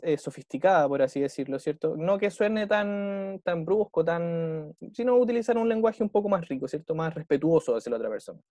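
A man's voice: on the high side, a little mellow, dry recording. A man with a Chilean Spanish accent, an English teacher who walks a class through a recorded dialogue and keeps checking in with short questions. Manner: patient, checks in with "¿ya?" and "¿cierto?" after every point.

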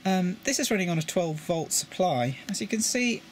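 A man's voice: high-pitched, expressive, normal speed, slight background noise. A British man explaining his model railway coach lighting work in a casual tutorial, often repeating words as he handles the parts. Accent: British English. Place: indoors at a table with a model railway.

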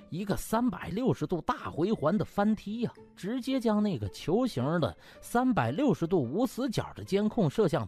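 A man performs a comic audiobook with theatrical flair and casual, colloquial phrasing. His pitch swings very widely, and soft music plays behind him. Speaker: audiobook narrator. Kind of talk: animated comic storytelling. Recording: music under the voice.

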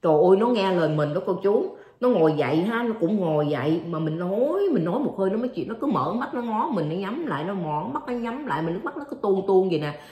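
A woman's voice: mid-range voice, expressive, fast talker, mellow. A middle-aged woman vlogger telling an emotional personal story to her viewers, repeating herself often. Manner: repetitive, addresses viewers as aunts and uncles. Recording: roomy echo.

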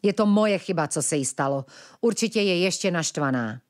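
A young male ferret cries out in a high, eager voice, as a woman reading a fairy tale plays him. His pitch leaps up and down with feeling. He pleads urgently. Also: lively intonation, natural voice. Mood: worried.

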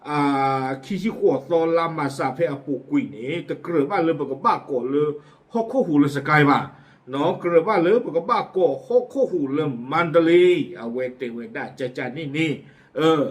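Male news presenter, casual and chatty, slightly higher voice, lots of fillers. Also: animated, fairly quick. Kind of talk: casual spoken news commentary.

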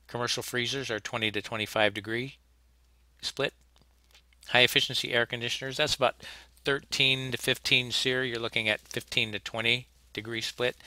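Bright, dry-voiced trade instructor, a man. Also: lowish voice, no echo. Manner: plainspoken, practical, with frequent restarts. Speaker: HVAC instructor. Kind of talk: recorded slide lecture.

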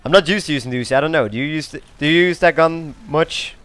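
A young man from Sweden giving live gameplay commentary, excitable and swearing often, with sudden outbursts. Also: fairly high pitch, fast talker, dry recording.

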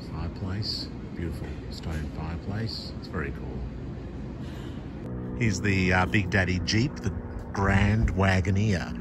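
A man's voice: sits low, very noisy. A man in his fifties with an Australian accent, chatting casually to a phone camera about a road trip. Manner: relaxed, chatty, easily impressed. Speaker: travel vlogger. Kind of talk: casual travel vlog narration. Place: in and around a car, outdoors on a road trip. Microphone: phone camera held at arm's length.

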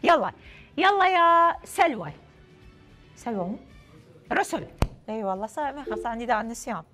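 Young female Iraqi-accented game show host, playful and effusive, high swooping voice, faint music behind. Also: lively intonation, very fast. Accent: Iraqi Arabic. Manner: playful, effusive, repeating phrases in welcome and banter. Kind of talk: lively game show presenting. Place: TV studio.

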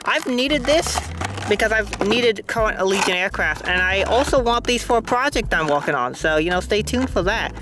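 A man casually unboxing model planes outdoors at an airport, chatty and easily excited, filmed on a tripod-mounted phone. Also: sits high, normal speed, noisy background. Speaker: aviation YouTuber.

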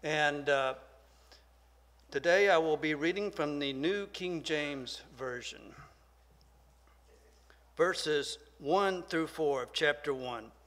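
Soft-spoken older Southern man teaching. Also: fairly high pitch, long reverb tail. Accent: Southern American. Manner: soft-spoken, measured and deliberate, reads scripture aloud. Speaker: Bible class teacher. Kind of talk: Bible study lecture. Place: church classroom, at a wooden lectern. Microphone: lectern microphone.

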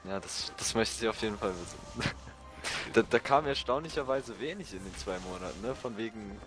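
A man's voice: lowish voice, lively intonation, fairly quick. A young man with a German accent making short, laid-back remarks while playing a co-op game. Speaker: co-player. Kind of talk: casual gaming chat. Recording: game music behind voice.

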